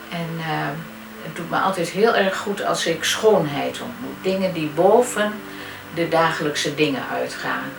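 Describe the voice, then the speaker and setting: Over music in the background and with audible room echo, a woman at a fairly low pitch speaks at a very slow pace with ordinary pitch variation. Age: 70s. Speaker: artist and poet. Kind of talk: interview. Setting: at home studio.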